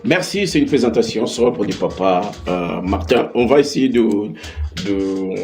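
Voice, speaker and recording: A man's voice: fairly low pitch, lively intonation, unhurried, a little mellow. A man with a Congolese accent hosting a conversational interview, speaking hesitantly and often repeating his words. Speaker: interviewer, host.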